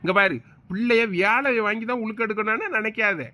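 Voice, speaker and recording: A man playing a soft-hearted village father who coaxes and defends his daughter. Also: high-pitched, fairly quick. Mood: coaxing. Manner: coaxing, pleading. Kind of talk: comedy skit acting.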